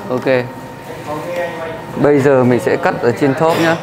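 A young man, a barber calmly explaining each step of a haircut and repeating himself, recorded on a lapel mic in a busy barbershop. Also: mid-range voice, a little slow, rough recording. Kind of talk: casual step-by-step demonstration. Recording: clippers buzzing behind. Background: electric clippers and shop chatter.

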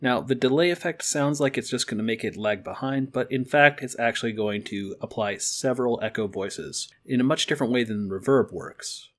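A man's voice: medium pitch, moderate pace, few pauses. A young man hosting a library tutorial, explaining audio editing step by step in a friendly way, recorded at home. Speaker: library program host. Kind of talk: software tutorial. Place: home kitchen-living room, indoors.

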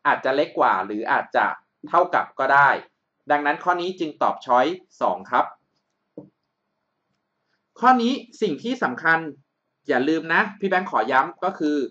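A man's voice: on the high side, sharp tone, dull audio. A man tutoring math over a screen recording, explaining each step patiently and checking that the listener follows.

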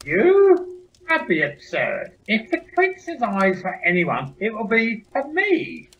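A spiteful ugly stepsister of amateur pantomime, acted by a woman, sneering and conceited. The voice is lively and swooping, on a dull video-call recording with faint noise. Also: mid-range voice, takes it slowly, exaggerated voice. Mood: scornful, conceited. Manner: sneering, exaggerated. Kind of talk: amateur audio pantomime acting.

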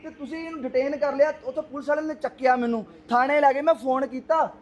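Agitated high-voiced man in street interview. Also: fairly even intonation, fast, highs cut off, slight background noise. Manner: agitated, switches between Punjabi and English, speaks in short bursts. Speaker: advocate.

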